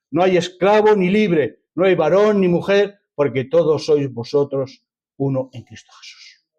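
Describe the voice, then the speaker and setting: Reading and explaining scripture to his congregation, a Spanish-accented preacher delivers an emphatic sermon heavy on repetition and rhetorical questions. His voice is warm and on the high side, and the recording sounds muffled.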